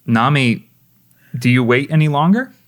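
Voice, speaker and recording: A man's voice: mid-range voice, animated, moderate pace. A young man narrating as game master, casual, with restarts and lots of questions to the players. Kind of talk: narrating a tabletop role-play game.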